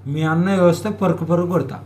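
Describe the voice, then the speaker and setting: A woman's voice: on the low side, fairly even intonation, quick pace, darkish tone. A woman talks informally on a private phone call. The recording is echoey, with faint noise behind her voice.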